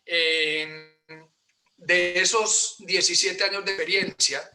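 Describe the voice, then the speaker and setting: A Colombian man in his forties with an Antioquian accent, hosting an online presentation in a warm, polite way, often pausing with fillers. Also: high voice, steady tone, faint music behind. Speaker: host and real estate broker. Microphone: video call.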